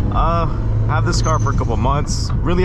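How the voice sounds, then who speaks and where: Loud background noise runs under a dry sound with no echo. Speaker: car owner vlogger. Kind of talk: casual vlog chat. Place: car. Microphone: phone near.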